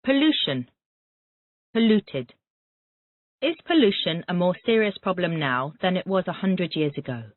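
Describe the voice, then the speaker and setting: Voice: mid-range voice, expressive, dry recording. Teacher firing drill questions over tinny audio. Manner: reads words then asks quick repetitive questions. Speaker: English teacher. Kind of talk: Callan method drill questioning. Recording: tinny phone-like dry audio.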